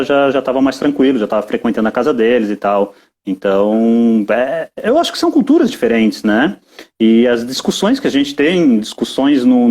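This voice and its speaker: A man's voice: mid-range voice, a little mellow. A young Brazilian man in a casual live chat, often repeating words as he talks. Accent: Brazilian Portuguese. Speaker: guest.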